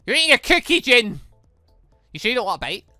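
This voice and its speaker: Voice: medium pitch, big pitch swings, fast, sharp tone, no echo, clean studio sound, faint music behind, voice pushed up. A performer voicing a sweet, naive, earnest and shy young girl in a visual novel. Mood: friendly, bright.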